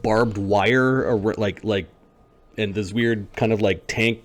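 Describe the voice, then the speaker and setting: Male game master, fairly deep, casual improvised tabletop narration with halting phrasing. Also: steady tone. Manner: halting, searching descriptions.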